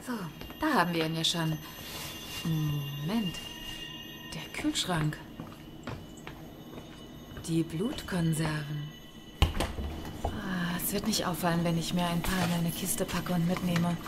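An actress playing a secretive, dry-witted hospital worker in a German audio drama, talking in a natural, conversational way. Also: female voice, on the low side, measured pace, long pauses, close to an everyday voice. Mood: furtive, muttering. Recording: clear background noise.

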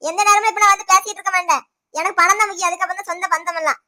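Cartoon: woman as a money-minded sister-in-law, stern and preachy, fast and bright, Tirunelveli Tamil. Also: very high-pitched, fairly even intonation, full character voice. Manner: lecturing, blunt, money-minded. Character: rich, scolding older sister-in-law. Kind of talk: animated cartoon voice acting.

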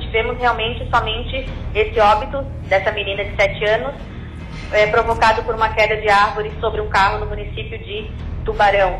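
A woman's voice: medium pitch, a bit bright. A woman explaining hesitantly as an official in a phone interview. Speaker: civil defense director, interviewee. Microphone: telephone. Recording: echoey phone call with faint noise.

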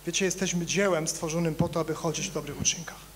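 Preaching in a church, a Polish man talks fast and conversationally, addressing the congregation directly with humor. His delivery is animated, swinging from loud emphatic peaks to hushed, low asides. There's slight background noise.

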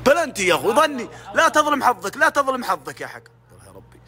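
A man hosts a casual social media video, teasing friends with playful mock sympathy. His voice sits high and swings widely. He talks fast with a bright edge. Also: very animated.

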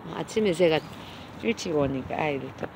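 A woman's voice: low voice, expressive, noisy background. A middle-aged woman, talking in a casual vlog as she coaxes and feeds stray cats outdoors. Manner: coaxing, doting talk to cats, slow and soft. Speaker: cat caretaker vlogger. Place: outdoors by a street.

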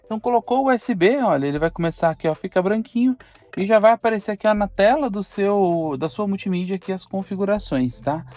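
Brazilian male car vlogger, talky explainer, raised pitch, soft music under him. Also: quick pace. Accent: Brazilian Portuguese. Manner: chatty, explanatory, frequent "olha" and "tá?". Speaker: car channel host. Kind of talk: casual tutorial demo. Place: inside a parked car.

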